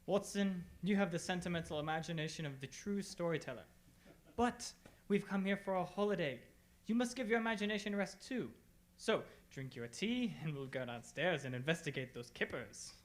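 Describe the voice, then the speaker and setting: Woman doing a composed brainy detective man for radio theatre, formal n measured, lowish for a lady. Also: animated, slight background noise, close to an everyday voice. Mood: composed, musing.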